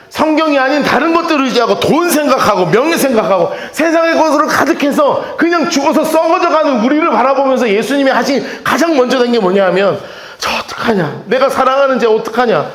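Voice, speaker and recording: High-voiced emphatic pastor, echoey church. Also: male voice, fairly bright tone. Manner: emphatic, rhetorical questions to the congregation. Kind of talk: sermon. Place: church sanctuary.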